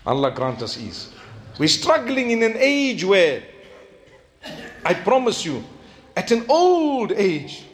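A man preaching an Islamic sermon. He tells stories animatedly, acts out bits of dialogue and slows down to stress his key points. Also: high voice. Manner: animated storytelling, acting out quoted dialogue.

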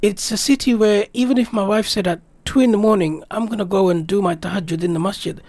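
Man, high voice, dry studio sound, earnest, rambling recollection. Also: fairly even intonation, quick pace, darkish tone, dry recording. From Britain. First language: English. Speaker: radio guest. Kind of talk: personal travel recollection in a radio interview.

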